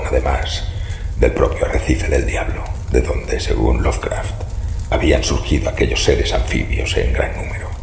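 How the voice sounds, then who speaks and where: Un actor que interpreta a un hombre mayor, siniestro y cortés, de linaje maldito, con voz rasposa y tono solemne en una audioserie de terror. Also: male voice, rumbling low, darkish tone. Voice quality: gravelly, rasping, breathy. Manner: slow, formal, ominous storytelling. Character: sinister older man descended from cursed fish-like cultists, grave, courteous. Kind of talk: horror audio drama acting. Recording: echoey reverberant room, faint noise.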